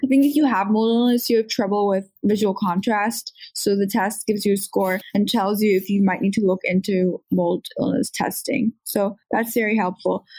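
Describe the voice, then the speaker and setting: A woman with an American accent speaks in a normal speaking voice at medium pitch and a moderate pace. Her loudness stays very even, her intonation fairly even, and she hardly pauses at all. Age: 20s. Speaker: chronic illness patient and wellness blogger. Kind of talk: interview, personal story.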